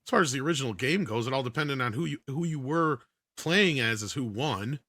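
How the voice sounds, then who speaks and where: A man with a medium-pitched, expressive voice speaks fairly quickly in a pushed, bright tone, recorded dry. As a panelist on an entertainment news talk show, he offers casual, opinionated movie commentary, talking at length to argue his point.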